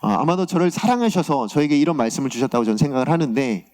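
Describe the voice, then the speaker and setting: Talking very fast in a higher-pitched voice, a male pastor delivers a sermon built on a personal, confessional account of his week. He animatedly performs God's words from his prayer, raising his voice to do so.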